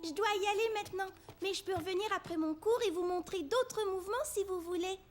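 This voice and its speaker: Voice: very high-pitched, brisk. An actor voicing a confident, chatty, proud little girl in a children's cartoon, explaining things assuredly.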